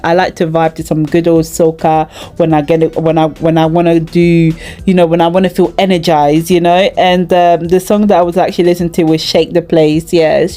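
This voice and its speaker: A woman's voice: fairly low pitch, warm tone. A woman vlogging casually to camera, chatty and laughing often, with many fillers. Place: out in the snow, then a gym.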